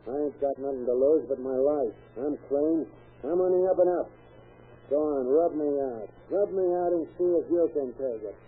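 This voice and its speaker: A cornered small-time crook who talks in rough street slang. His voice has a husky grain and comes through the tinny, narrow band of an old radio recording. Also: fairly high pitch, moderate pace. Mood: defiant. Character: nervous small-time male crook pleading for his life. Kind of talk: 1940s radio acting.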